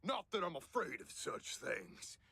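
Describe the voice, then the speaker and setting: A game synth pretending to be a plain, cheerful human, with a high, gravelly voice that swoops up and down. He talks slowly in a folksy way and protests far too much about being made of flesh. The sound is close and dry. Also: sing-song, bright, forceful tone, no room sound, full character voice. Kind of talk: video game character dialogue.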